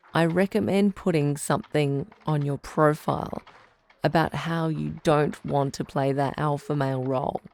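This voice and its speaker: A woman playing a calm, supportive radio advice doctor, speaking in a deliberate, reassuring way. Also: deep voice. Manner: reassuring, deliberate, clearly phrased. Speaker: radio call-in show host. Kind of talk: radio advice show, measured delivery.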